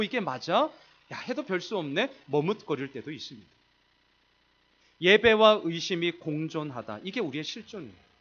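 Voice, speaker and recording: Emphatic Korean pastor preaching a sermon. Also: male voice, fairly high pitch, lo-fi sound. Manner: emphatic, rhetorical questions, swings between loud and hushed. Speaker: senior pastor. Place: church sanctuary.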